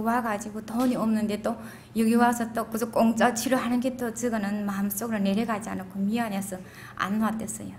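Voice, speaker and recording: A woman's voice: medium pitch, darkish tone. A woman from China with a Korean-Chinese accent, giving a rambling personal testimony to a group. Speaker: seminar participant introducing herself. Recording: faint background room noise.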